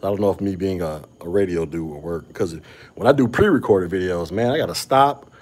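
A man's voice: deep voice, a little fast, a little mellow, a little hiss or hum. A man hosting a casual podcast chat, talking with a slight stutter and frequent restarts. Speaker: podcast host. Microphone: podcast microphone.

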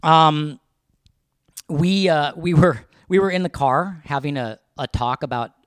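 A man co-hosting a podcast, talking casually and animatedly with a fairly high register, swearing and laughing often. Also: a little slow, dry recording, studio quality. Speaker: podcast co-host. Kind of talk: casual chat.

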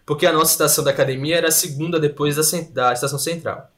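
Lively man telling stories. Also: fairly high pitch, racing. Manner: animated anecdote telling, laughing through stories. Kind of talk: casual storytelling chat.

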